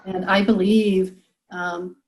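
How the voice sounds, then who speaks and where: A woman's voice: mid-range voice, little pitch movement, takes it slowly, poor audio. A woman business coach leading a group coaching call, encouraging and thinking aloud with frequent fillers.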